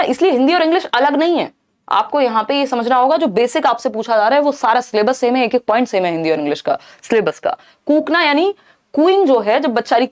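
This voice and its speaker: A woman teacher giving a live online exam-prep lesson, explaining lively and often checking in with her viewers. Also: a little high. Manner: mixes Hindi with English terms.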